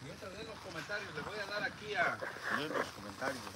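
A man's voice: high-pitched, big pitch swings, fairly quick, over a noisy crowd. A middle-aged man with a Mexican accent hosting a casual live cooking stream, chatting to viewers in informal slang from an outdoor campsite, recorded on a phone. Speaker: host of a camping cooking vlog. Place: outdoor desert campsite under a canopy. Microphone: phone camera held by another person. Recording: noisy outdoor phone video.

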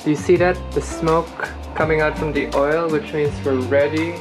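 Low-voiced woman walking through a recipe. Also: level tone, moderate pace, loud music behind the voice. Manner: explains steps plainly, step by step. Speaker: vlogger cooking lunch. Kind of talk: casual cooking vlog voice-over. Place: home kitchen indoors.

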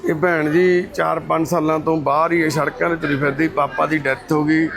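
A man speaks in a soothing, reassuring way, now and then counting money out loud. His voice sits a little high and has a gravelly edge. A crowd murmurs clearly around him. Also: level tone, brisk. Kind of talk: comforting talk with a distressed woman. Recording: crowd noise in background.

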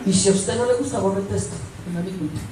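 A woman preacher delivering an emphatic, humorous sermon, swinging between hushed asides and shouts. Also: mid-range voice, fast. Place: church with congregation. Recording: echoey hall, distant mic. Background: congregation laughter and noise.

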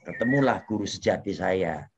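A man's voice: sits low, expressive, normal speed, slightly rough. A man, an interview guest, telling his life story with feeling, his voice rising when the story gets tense. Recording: dull lo-fi audio, faint noise.

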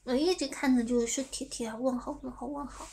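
A woman's voice: sits high, brisk, creaky, dark tone, slight background noise. A young woman from China chatting playfully with fans on a livestream, reading their comments aloud and stumbling over English words. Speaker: idol livestream host. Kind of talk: casual livestream chat with fans.

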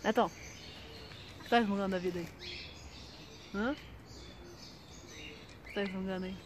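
A woman's voice: medium pitch, slow pace, slight background noise. A woman with a Brazilian Portuguese accent talking to her pet birds on camera, cooing and asking them questions in baby talk. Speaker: bird keeper vlogger.

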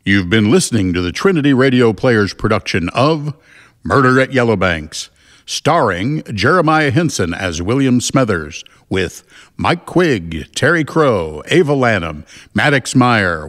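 Radio serial announcer, male, medium pitch, measured scripted read.

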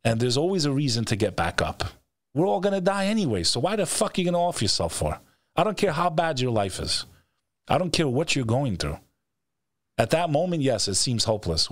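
Brisk and sing-song at a medium pitch, this middle-aged show host comes through clean and echo-free on a close, stand-mounted studio mic. On a video call from an indoor studio, he delivers motivational interview talk in a blunt, profane, emphatic way, hammering phrases through repetition.

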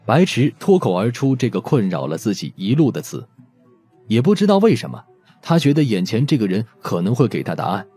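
A man reads a story as an audiobook narrator. His voice sits at a medium pitch and moves expressively up and down. Faint music plays behind the narration. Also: big pitch swings, a little fast, mellow, breathy edge.

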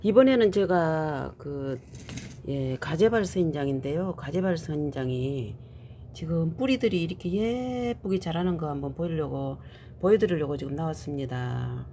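A woman's voice: low-pitched, expressive, normal speed, dark tone, a little hiss or hum. A woman hosting her own plant-care vlog, chatty and often exclaiming in delight. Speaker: channel host.

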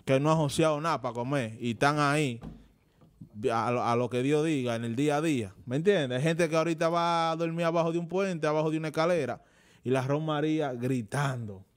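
Dominican man, talk-show co-host, indignant and scolding, voice sits a bit high, repeats and stumbles while ranting. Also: steady tone, fairly quick, smooth. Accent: Dominican Spanish. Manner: indignant, scolding, tells anecdotes with animal yelps. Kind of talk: opinionated studio debate.

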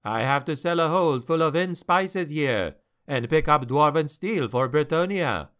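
A man voicing an excitable male sea captain with a French accent and broken, emphatic English. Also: fairly high pitch, a little slow. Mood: persuasive.

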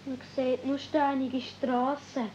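A woman's voice: sits high, little pitch movement, takes it slowly, a little mellow. A woman with a Swiss accent playing an innocent, eager little mountain girl in a 1970s radio play, artless and polite. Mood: curious, pleading. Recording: dull, faintly noisy old cassette recording.

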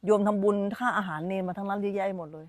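A woman's voice: mid-range voice, fairly even intonation, very fast, darkish tone, no room sound. A woman meditation teacher giving an informal dharma talk on a live stream, chatty and repeating her phrases as she talks with children around her.

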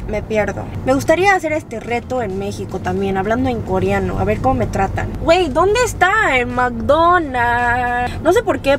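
A woman in her twenties vlogs from inside a car in a high voice. She chats in an animated, slangy and self-deprecating way, with slight car noise behind her. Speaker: vlogger. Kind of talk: casual chat to camera. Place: inside a car, driving and parked. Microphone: camera on dashboard.

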